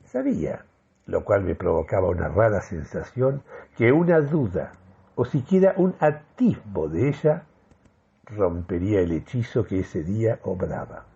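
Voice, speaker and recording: An actor playing a euphoric, deluded man who solemnly delivers a grandiloquent radio monologue with deliberate, dramatic pauses. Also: fairly low pitch, very animated, vocal fry, mellow, husky, dull audio, exaggerated voice. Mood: earnest, grandiose. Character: euphoric, deluded man convinced of mystical energy communication. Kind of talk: theatrical first-person radio monologue.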